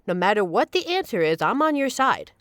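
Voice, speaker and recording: Woman playing a supportive, animated young female friend. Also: mid-range voice, a little fast, dry recording. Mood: playful, warm. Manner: earnest, casual, reassuring with playful exaggeration. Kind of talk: audio roleplay, conversational monologue to listener.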